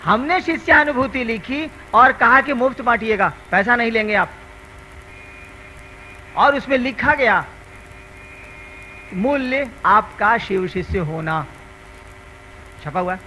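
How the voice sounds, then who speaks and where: A man's voice: extremely high pitch, slow, pauses often, pushed and bright, a little hiss or hum, poor audio. An older man giving a spiritual discourse as a teacher, telling stories in a conversational, earnest and emphatic way.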